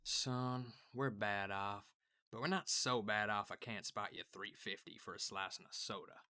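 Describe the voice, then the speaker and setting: A man playing a caring, easygoing working-class dad in an audio drama, talking casually with gentle humour. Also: lowish voice, a little slow. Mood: gently reassuring.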